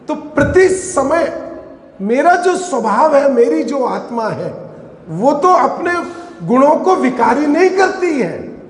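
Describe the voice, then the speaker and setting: High-voiced man preaching in an echoey hall. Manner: questions the listeners and answers himself, repeating phrases for emphasis. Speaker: Jain scholar giving a discourse. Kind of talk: religious discourse. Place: assembly hall. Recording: echoey hall with long reverb.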